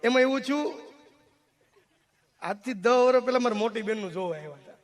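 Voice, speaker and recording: A young comedian and mimic tells folk comedy stories on stage in a very high-pitched voice at a brisk pace. His storytelling is lively, jumping between character voices.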